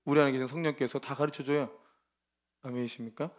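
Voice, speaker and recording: Talking fast in a mid-range voice, a man preaches an informal, lively sermon for a ministry training. He is emphatic and colloquial and frequently bursts out laughing.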